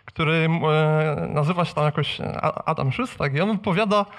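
Higher-voiced man, halting and searching for words. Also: a bit bright. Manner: halting, searching for words, many false starts. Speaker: audience member asking a question. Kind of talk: casual spoken question from the floor. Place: live meeting in a room with an audience.

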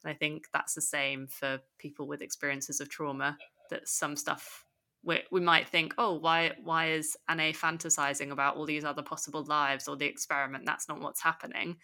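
A woman's voice: sits low, level tone, moderate pace, sharp tone. A woman with a London accent talking thoughtfully about a book on a podcast, with light laughs. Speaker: podcast co-host. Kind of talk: casual book discussion.

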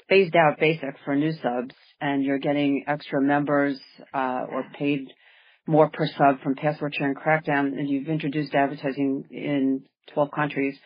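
A woman with a husky voice asking questions as a financial analyst on an earnings call. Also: low-pitched. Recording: dull, band-limited conference call audio.

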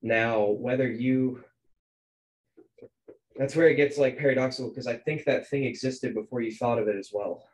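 A man's voice: mid-range voice, fairly even intonation, normal speed, low-quality recording. A man in his twenties hosting a podcast, musing aloud in a hesitant, filler-heavy way. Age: 20s. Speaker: podcast host. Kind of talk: casual podcast conversation.

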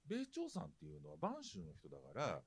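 A man as a podcast guest, talking in a measured way with drawn-out fillers while posing questions. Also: a little high, wildly swooping pitch, creaky, husky, no echo. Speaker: broadcast writer, podcast guest. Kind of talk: casual chat.

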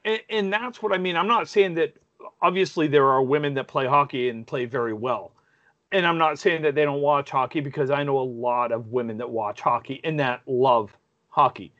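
A man's voice: mid-range voice, moderate pace, fairly bright tone, dry recording. A man in his late forties hosting a casual chat, blunt and swearing, often restarting his sentences. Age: 40s. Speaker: podcast host. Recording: dry, dull lo-fi sound.

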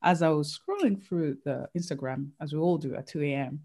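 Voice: mid-range voice, fairly quick, mellow. An interviewer chatting casually with a guest, talkative and laughing along.

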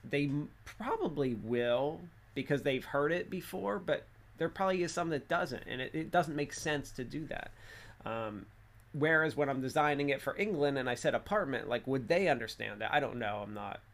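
A man's voice: on the high side, expressive, normal speed, a bit bright. A man giving casual, rambling advice to viewers about instructional design, with lots of fillers and restarts. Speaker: instructional design host answering viewer questions.

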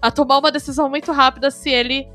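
A woman's voice: sits high, fairly even intonation, very fast, pushed and bright, faint music behind. A Brazilian woman hosting a podcast, chatting in an enthusiastic, explanatory way. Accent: Brazilian Portuguese. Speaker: podcast host. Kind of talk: casual podcast chat.

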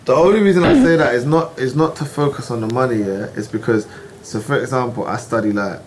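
A man's voice: medium pitch, fast talker, a little hiss or hum, low-quality recording. A young man hosting a podcast, talking in a laid-back, slangy way full of fillers. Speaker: podcast host. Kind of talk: casual interview chat.

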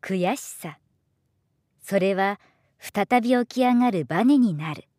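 A woman giving scripted narration as a professional voiceover artist, with a measured, polished delivery. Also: medium pitch, expressive, a little mellow, no echo, studio quality.

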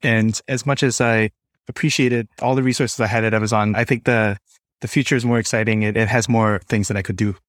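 A man's voice: on the low side, steady tone, brisk, no room sound. Man with a dry, close-sounding voice. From Singapore. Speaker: podcast guest, developer experience lead. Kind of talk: conversational interview, explaining tech.

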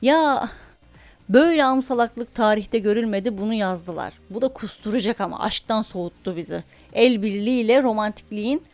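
A young woman hosting a podcast, telling a story in a chatty, animated way and laughing often. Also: fairly high pitch. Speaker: podcast host. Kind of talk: casual storytelling monologue.

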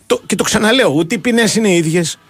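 A man's voice: sits high, a bit bright, dry recording. A man, co-hosting a sports radio show, arguing his case in casual chat and piling up examples. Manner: argumentative, piles up examples and restarts.

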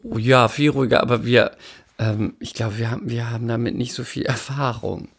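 A woman's voice: a bass voice, steady tone, brisk, vocal fry, breathy edge. A woman in a casual chat who reacts with sympathy and tells her own story with lots of exclaiming.

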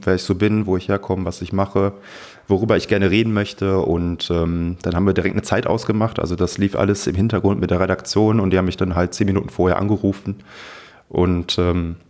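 A man's voice: deep voice, darkish tone. A man co-hosting a podcast, chatting in an enthusiastic, informal way. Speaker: podcast co-host and hobby drone pilot. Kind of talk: casual podcast chat.

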